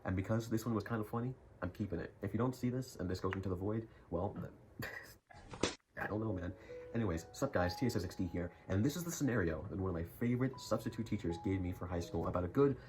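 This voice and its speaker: A man's voice: low-pitched, fast, noisy background. A young man telling a rambling school story in a casual vlog, full of jokey, self-mocking asides. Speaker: YouTuber. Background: music.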